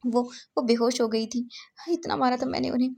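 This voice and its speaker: A woman's voice: a little high, fairly even intonation, a little fast, vocal fry, warm tone, husky. A woman voicing a grieving, remorseful middle-aged father who stammers and repeats his words. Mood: confessing.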